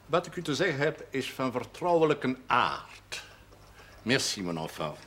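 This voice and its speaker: An actor playing a stern, erudite elderly Catholic priest in a television drama, speaking in a measured, formal way with French phrases. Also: male voice, mid-range voice, big pitch swings, a bit bright, slight background noise. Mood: formal, courteous. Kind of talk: 1970s television drama acting.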